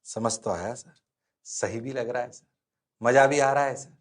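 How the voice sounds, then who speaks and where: A man's voice: medium pitch, unhurried, pitched below the performer's own voice, lightly acted. A male physics teacher putting on the voice of an eager student who answers him meekly, repeating "sir". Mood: pleased. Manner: soft, meek replies, repeating "sir".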